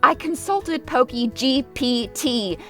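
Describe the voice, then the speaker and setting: A woman playing an irritable, gullible gym leader with a brash, sarcastic manner in an animated parody. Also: sits high, slow, music in the background, exaggerated voice. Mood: irritated, smug.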